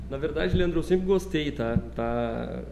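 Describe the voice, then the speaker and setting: This man talks at a moderate pace, with audible room echo and noticeable background noise around him. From Bagé, southern Brazil. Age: 30s. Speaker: fashion brand entrepreneur. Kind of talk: interview.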